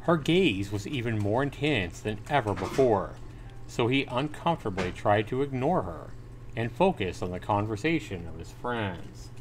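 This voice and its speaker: A man's voice: fairly low pitch, expressive, moderate pace, rough recording. A man hosting a casual livestream, reading and recapping a story game, with background noise. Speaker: livestream host.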